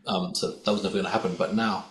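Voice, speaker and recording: A man's voice: low voice, little pitch movement, quick pace. A man, a singer guest on a podcast, talking easily and thoughtfully in a casual conversation. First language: not Hindi or Urdu. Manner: reflective, easygoing, uses sports comparisons. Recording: echoey room with faint ambient noise.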